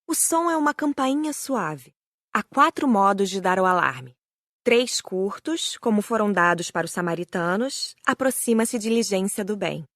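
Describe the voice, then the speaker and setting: A woman's voice: medium pitch, lively intonation, moderate pace, a bit bright, dry recording, studio quality. A woman with a Brazilian accent reading a scripted first-person audiobook narration.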